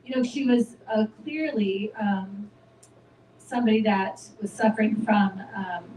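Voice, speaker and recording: A woman's voice: medium pitch, measured pace. Woman telling a story in a roomy room. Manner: animated storytelling, acts out her own self-talk. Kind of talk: casual spiritual chat. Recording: roomy, distant mic with faint noise.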